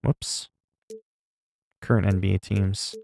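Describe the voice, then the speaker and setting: Man, low gravelly voice, dry close sound, rambling gameplay chat. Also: steady tone, slow pace, darkish tone, no echo. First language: French. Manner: rambling, self-talk with laughs and asides. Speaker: gaming streamer.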